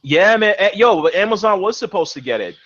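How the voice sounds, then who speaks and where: A young man hosting a casual gaming chat, speaking a little higher than most men. He is excitable, curses freely and often restarts his words. His voice comes through a muffled, lo-fi online call. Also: brisk. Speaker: podcast host.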